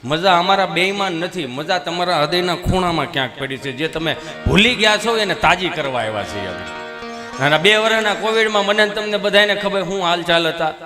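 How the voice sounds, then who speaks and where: A man's voice: sits high, fairly quick, long reverb tail, music in the background. A man telling folk comedy stories to a live audience on a stage microphone. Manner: lively, conversational, addresses the audience. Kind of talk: stand-up folk comedy storytelling.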